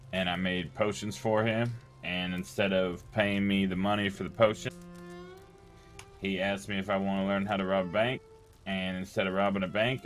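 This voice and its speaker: A man's voice: low-pitched, lightly acted. A man playing a laid-back, teasing herbalist outlaw in a western, telling campfire stories in a casual, matter-of-fact way. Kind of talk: casual in-character campfire storytelling.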